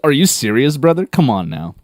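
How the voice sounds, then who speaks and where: A man's voice: mid-range voice, big pitch swings, fairly quick, darkish tone, no echo, clean studio sound. A man giving casual commentary while streaming a game, laughing, swearing and reading on-screen text aloud.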